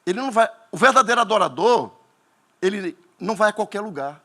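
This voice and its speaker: A man with a Northeastern Brazilian accent preaching a sermon as pastor, animated and breaking into shouts. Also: high voice, a little fast.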